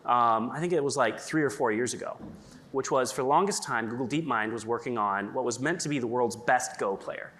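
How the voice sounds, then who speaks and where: Man, conference panelist, casual and rambling, mid-pitched. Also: brisk, a bit bright. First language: English. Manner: chatty, lots of likes and ums. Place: conference stage.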